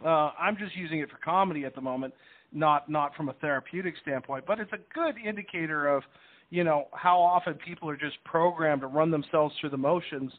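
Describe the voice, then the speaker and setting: A man's voice: a little high, fairly quick. A man explaining things in a casual radio interview, talkative, often repeating words and restarting his sentences. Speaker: stage hypnotist, interview guest. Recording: tinny phone-like line.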